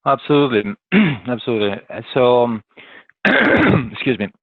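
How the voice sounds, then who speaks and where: A man from Italy, with an Italian accent and a mid-range, very animated voice, talks at normal speed as a podcast guest who works as a corporate professional. He answers interview questions conversationally, hesitating and thinking aloud in broken phrases. The audio is dry but thin, like a phone call.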